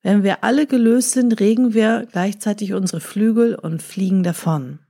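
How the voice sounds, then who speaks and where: A woman narrating a storybook tale in a calm, measured manner. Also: mid-range voice. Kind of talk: storybook reading.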